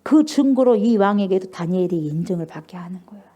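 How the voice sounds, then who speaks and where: A woman's voice: medium pitch, animated, quick pace, mellow. A woman pastor preaching a sermon, speaking emphatically, asking the congregation questions and acting out scripture with feeling. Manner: emphatic, asks the congregation questions and acts out scripture with rising emotion.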